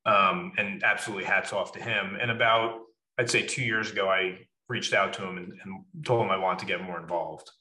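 A man in his late thirties with a low, forceful voice talks through things in a measured, filler-laden way. The sound is roomy and echoey. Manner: explains at length, measured, frequent fillers. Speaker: guest, wrestling club officer. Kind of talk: casual podcast interview.

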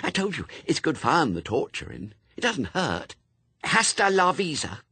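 A man's voice: mid-range voice, very animated, normal speed, sharp tone, slightly rough, dry recording, voice pushed up, exaggerated voice. A man voicing a bossy young girl in a storybook, an exasperated big sister with an insistent, scolding manner.

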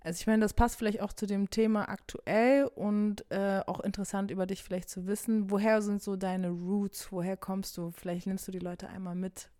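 Crisp, dry-sounding woman hosting an interview. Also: medium pitch, little pitch movement, normal speed, few pauses, warm tone, no echo. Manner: friendly, asks prompting questions, frequent backchannels. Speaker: interview host. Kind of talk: casual interview conversation.

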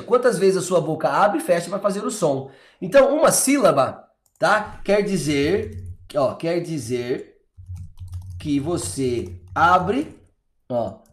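A man's voice: sits high, echoey room. A man with a Brazilian accent teaching English in a chatty, encouraging way, full of little fillers. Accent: Brazilian Portuguese. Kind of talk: live online English lesson.

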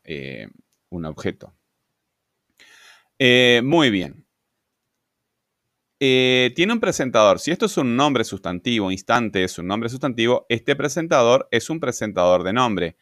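A man teaching grammar. He asks himself questions, answers them, and fills pauses with "eh" and "este". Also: fairly low pitch, a bit bright, no room sound, studio quality. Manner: asks and answers his own questions, adds tag questions; repeats words, fillers "eh" and "este". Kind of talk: explaining sentence grammar at a board.

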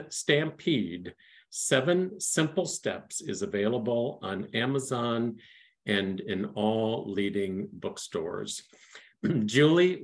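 A man hosting a podcast, reading a guest introduction and asking questions in a measured way with some hesitant uhs. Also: medium pitch, rough recording. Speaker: podcast host.

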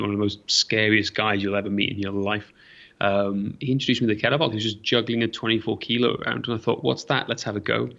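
A man's voice: on the low side, creaky, lo-fi sound. A man from mid Wales with a Welsh accent, Welsh as his first language, telling stories as a podcast guest over a video call. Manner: animated, acts out his own past thoughts. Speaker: podcast guest, fitness business owner. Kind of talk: casual storytelling interview. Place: home in Brisbane, on a video call.

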